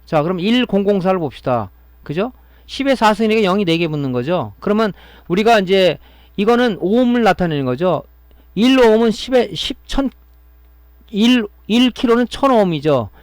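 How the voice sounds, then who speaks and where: A man lecturing on electronics repair, walking through each step and often checking that listeners follow. His voice sits a little high for a man. The sound is dry and close, with no room echo. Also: lively intonation, moderate pace. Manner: explaining step by step, often adding a tag question to check understanding. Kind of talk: classroom-style technical lecture.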